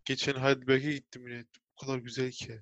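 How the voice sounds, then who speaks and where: A man's voice: mid-range voice, flat delivery, quick pace, a bit bright, dull audio. A man chatting casually, explaining his points in a hedging way. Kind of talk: casual chat.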